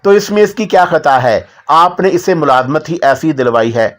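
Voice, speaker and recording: A man voicing an anxious, motherly middle-aged lady of the house who pleads gently. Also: on the high side, normal speed, close to an everyday voice. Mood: worried. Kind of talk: audiobook character voice.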